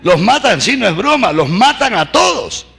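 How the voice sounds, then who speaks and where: Man preaching, high lively voice, gravelly and husky, bright tone, acts out shouts. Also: moderate pace. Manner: animated storytelling, acting out voices and shouts; asks the audience for agreement with short tags.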